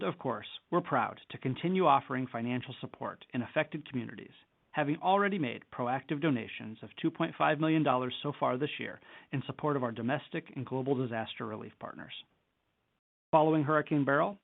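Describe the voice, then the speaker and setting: Male executive, gravelly edge, reading formal prepared remarks over a thin conference-call phone line. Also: mid-range voice, a little fast. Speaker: company executive on an earnings call. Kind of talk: scripted corporate presentation, read aloud.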